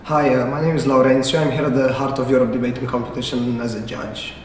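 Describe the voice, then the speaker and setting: A man's voice: medium pitch, level tone, a little hiss or hum. A young man working as a debate judge, answering questions casually with many filler sounds. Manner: lots of uh fillers, quick bursts. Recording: echoey hall, mic at a distance.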